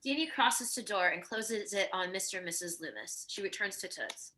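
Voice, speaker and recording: A woman's voice: mid-range voice, animated, moderate pace, bright, forceful tone, slight background noise. A woman narrating a screenplay, reading stage directions in a scripted table-read style.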